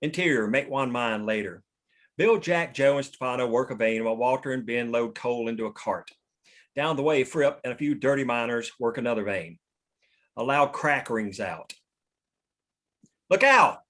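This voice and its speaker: A man's voice: mid-range voice, animated, moderate pace, a bit bright. A man reading scripted narration and scene directions at a table read. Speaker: stage-direction reader.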